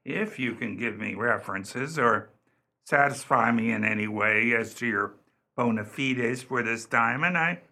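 Man playing a flustered, raspy old-fashioned jeweler. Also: mid-range voice, measured pace, sharp tone. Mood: courteous, confident. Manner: stammering, hesitant, formal and courteous. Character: flustered, eager male jeweler, courteous and self-assured. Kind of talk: radio play acting.

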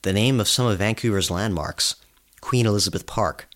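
A man in his mid-twenties from Canada, reading a measured, reflective scripted commentary as a reporter. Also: fairly low pitch, a bit bright. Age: 20s.

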